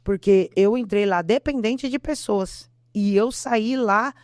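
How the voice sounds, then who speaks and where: Mulher brasileira dando testemunho emocionado. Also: female voice, medium pitch, slow pace, darkish tone, dry recording, clean studio sound. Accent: Brazilian Portuguese. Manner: earnest, repeats herself, acts out quotes. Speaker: interview guest. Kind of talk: emotional testimony.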